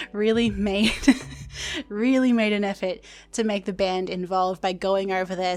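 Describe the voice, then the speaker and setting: Over music in the background, a woman talks with fairly even intonation. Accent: Australian. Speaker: K-pop reaction vlogger. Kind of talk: casual vlog talk to camera.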